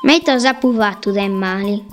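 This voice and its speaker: A woman's voice: mid-range voice, normal speed, natural voice. A woman voicing a tiny, lonely black seed, speaking plaintively in a storybook reading. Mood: hurt. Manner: plaintive, lamenting. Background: faint music.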